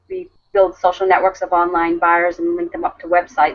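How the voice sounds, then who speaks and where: A woman with a Massachusetts accent speaks at a moderate pace in a fairly low voice. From South Coast Massachusetts. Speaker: entrepreneur. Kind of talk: casual panel discussion. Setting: video call. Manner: hesitant, many fillers.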